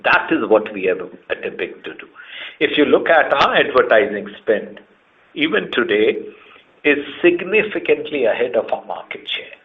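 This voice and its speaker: The chief executive, an Indian man, has a medium-pitched, sing-song voice and keeps a moderate pace. Answering on an earnings call over a conference line, he explains with emphasis and lists his points one by one, all in muffled, band-limited audio.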